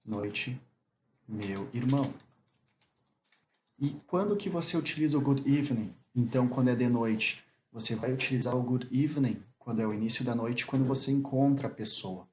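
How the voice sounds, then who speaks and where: A man teaching English in Portuguese, explaining greetings and slowly repeating each example phrase. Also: mid-range voice, darkish tone, slight background noise.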